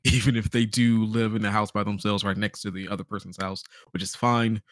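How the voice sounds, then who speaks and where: A man's voice: lowish voice, little pitch movement, fairly quick, dry recording, studio quality. A man co-hosting a podcast with casual, dryly teasing banter. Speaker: podcast co-host.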